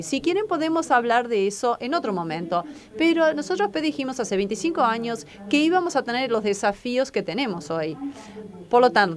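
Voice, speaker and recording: Higher-voiced woman interpreting a conference talk. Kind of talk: speaker introduction, then interpreting a conference talk.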